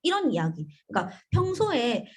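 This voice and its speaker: A woman giving a seminar lecture to business partners, animated, often starting with "자" and asking the room rhetorical questions. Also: a little high, normal speed.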